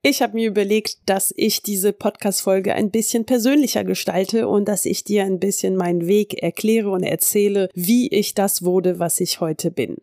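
Gravelly-voiced woman in her forties. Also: medium pitch, fairly even intonation, normal speed, few pauses, mellow, dry recording, studio quality. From France. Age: 40s. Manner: chatty, self-deprecating, frequent fillers. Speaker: podcast host. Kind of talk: personal monologue.

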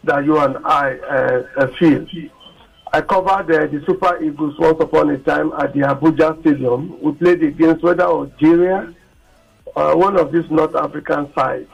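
A man's voice: a little high, fairly even intonation, normal speed, creaky, breathy edge. A man calling in to a radio show, his voice coming through an echoing phone line with feedback as he tells a rambling story. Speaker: radio call-in listener. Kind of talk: casual storytelling over the phone.

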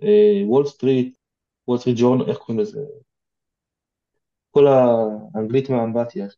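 A man's voice: mid-range voice, lo-fi sound. A man with an Israeli accent giving informal, direct advice as an interview guest, explaining things conversationally.

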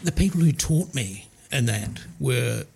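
An older man, an archaeologist, answering interview questions in a measured, thoughtful way. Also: medium pitch, lively intonation, creaky, darkish tone. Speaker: archaeologist guest. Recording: faint background noise.

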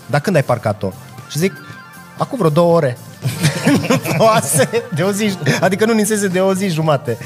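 A man's voice: high voice, music in the background. A man, chatting casually and telling stories with acted-out exchanges. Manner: animated storyteller, acts out quoted exchanges with laughs. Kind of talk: casual chat, storytelling.

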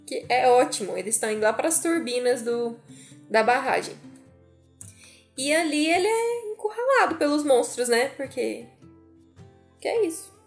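A woman's voice: high voice, animated, normal speed, pauses often, soft background music. A woman co-hosting a casual chat, playfully teasing and recapping the plot. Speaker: podcast co-host.

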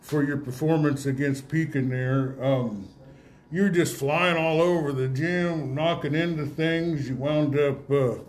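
A man hosting a casual awards interview in a folksy, rambling, halting way. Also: on the high side, fairly even intonation. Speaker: radio host interviewing high school athletes. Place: indoor room with guests present.

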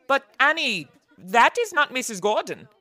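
A woman's voice: high voice, very animated, normal speed, pushed and bright, no echo, exaggerated voice. A woman playing a prim, professional receptionist with a precise, deferential manner in an old-time radio comedy. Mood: dutiful, correcting.

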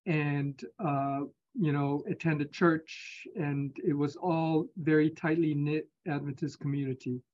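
A man in his fifties from Singapore, a physician answering interview questions in a measured, hesitant way. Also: a little high, steady tone, darkish tone, muffled recording. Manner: measured, hesitant, with many pauses. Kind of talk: conversational interview.

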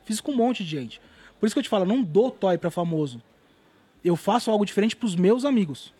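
A man tells stories at a rapid clip, his voice pitched high with a husky grain. He talks in an animated, slangy way and drops casual swears. He is a guest artist in a relaxed interview.

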